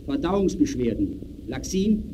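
An actor playing an impersonal case reporter who declaims terse log entries in the style of a 1920s radio play. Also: male voice, mid-range voice, sing-song, unhurried, mellow. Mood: detached. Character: impersonal male case reporter logging a man's day. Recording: noisy early radio recording.

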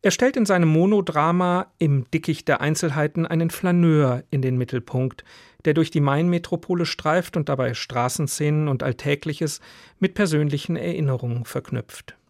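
Man, radio announcer, slightly high pitch, formal measured reading, close mic, very dry room. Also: a little mellow, dry recording. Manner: measured, formal read delivery. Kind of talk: scripted radio introduction.

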